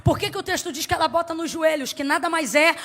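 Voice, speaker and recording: A woman preaching a sermon, emphatic, swinging from soft to loud and asking the congregation to answer back. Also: very high-pitched, fairly even intonation, fast. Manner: asks the congregation to respond.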